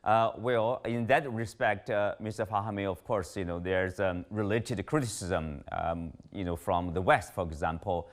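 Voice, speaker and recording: A man's voice: on the low side, measured pace, few pauses. A man hosting an interview, framing long questions with many fillers. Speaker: interview host.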